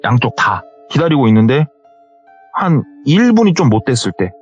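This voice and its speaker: Animated man telling a horror tale. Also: medium pitch, normal speed. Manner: animated retelling, acting out quoted people in raised voices. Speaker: horror story narrator. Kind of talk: retelling a true horror story. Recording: dull lo-fi sound with faint music.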